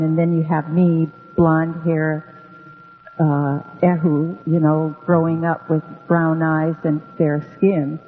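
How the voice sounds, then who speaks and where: Her voice sits low and comes through a tinny, phone-like radio signal with long reverb and faint background music. She's a guest storyteller from Hawaii, a native Hawaiian speaker, unhurried and meandering with plenty of ums in a relaxed radio interview.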